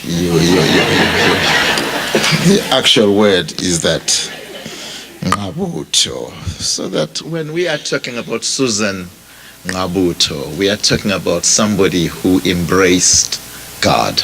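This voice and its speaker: A man with a Zimbabwean accent preaching a sermon as a pastor, speaking deliberately and repeating phrases for emphasis as he addresses his listeners directly. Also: sits low, animated, creaky, fairly bright tone, slight background noise, low-quality recording. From Bulawayo, Zimbabwe. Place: funeral service before a congregation.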